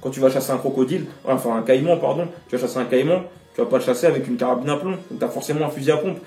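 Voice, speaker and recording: Talking very fast in a warm, mid-range voice, this man from French Guiana is a rapper in an interview, emphatic and passionate about his strong views. There's faint music, room echo, and the mic is far away.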